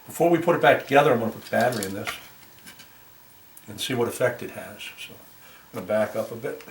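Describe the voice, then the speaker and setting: A man giving a casual hands-on repair demonstration as a volunteer technician, talking haltingly and thinking aloud as he works. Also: fairly low pitch, lively intonation. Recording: roomy, noisy, distant microphone.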